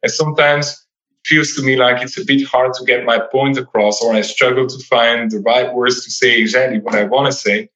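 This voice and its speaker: A man's voice: mid-range voice, fairly even intonation, brisk, a bit bright, roomy sound, muffled recording. A man in his thirties whose first languages are French and Dutch, giving reflective interview answers and often repeating words while he searches for them. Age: 30s. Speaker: podcast guest.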